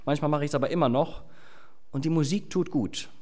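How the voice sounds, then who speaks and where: A pastor with a slightly high, dark-toned voice speaks fairly quickly as he preaches. He reads from the Bible and chats casually with the congregation, with fillers and asides throughout his sermon.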